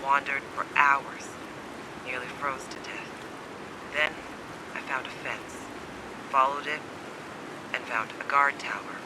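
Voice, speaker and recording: A man's voice: mid-range voice, fairly even intonation, slow, pauses often, heavy background noise, natural voice. A man playing a wary, secretive survivor in a video game, terse, guarded and cynical, with blunt urgency. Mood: grim, shaken. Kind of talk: dramatic video game acting.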